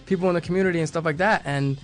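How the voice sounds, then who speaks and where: A man's voice: a little high, very fast, faint music behind. A man from New York, a guest on a radio show, talking at the studio mic in a rambling, easygoing way and often laughing. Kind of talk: casual interview talk. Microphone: studio microphone.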